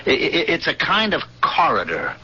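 An actor playing a haunted veteran spaceship pilot in 1970s radio drama, pleading and obsessive, with intense, halting, stammered repetitions. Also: male voice, fairly high pitch, huge pitch swings, pushed and bright, breathy edge, full character voice. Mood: haunted, awed. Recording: dull, noisy old radio broadcast.

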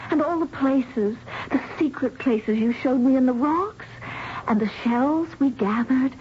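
Earnest, higher-voiced young woman. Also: a little slow. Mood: tender, anxious. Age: young adult. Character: earnest, tender young woman, devoted and anxious. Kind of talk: 1970s radio drama acting and narration. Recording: muffled, noisy old radio recording.

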